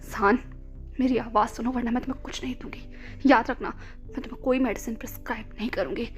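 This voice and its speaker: A woman voicing a calm, firm woman psychiatrist who speaks soothingly. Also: on the high side, quick pace, faint music behind, voice pushed down, close to an everyday voice.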